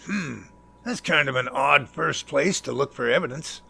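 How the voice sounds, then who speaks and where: A man's voice: medium pitch, moderate pace, gravelly, bright, forceful tone, breathy edge, exaggerated voice. A man playing a puzzled, intrigued confidant asking questions in an amateur audio drama, with an inquisitive, musing manner. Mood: puzzled, curious.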